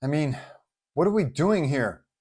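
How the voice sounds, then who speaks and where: A man's voice: a little high, animated, a little slow, a little mellow, breathy edge. Man voicing an urgent, pleading woman. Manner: urgent, protesting. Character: distressed, pleading young woman, superhero's girlfriend. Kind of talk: audio storybook dialogue.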